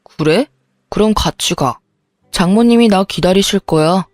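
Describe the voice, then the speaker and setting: A woman's voice: medium pitch, a little slow, darkish tone, no echo, studio quality, natural voice. A woman voicing a selfish, dismissive young husband in a radio-style story reading, talking curtly and brushing things off. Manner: brushing off, curt.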